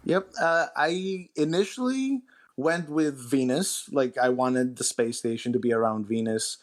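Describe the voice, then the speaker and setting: A man with a medium-pitched voice talks as the guest writer in an interview. His delivery is informal and conversational, like explaining his own work in a chat. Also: measured pace.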